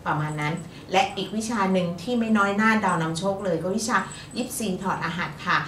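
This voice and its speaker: Upbeat woman co-host, lively chatter, bright tone, roomy echo with a distant mic. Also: on the low side, slight background noise. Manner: chatty, upbeat, quick to laugh. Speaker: astrologer co-host. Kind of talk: casual chat. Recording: echoey room, voice from off-mic.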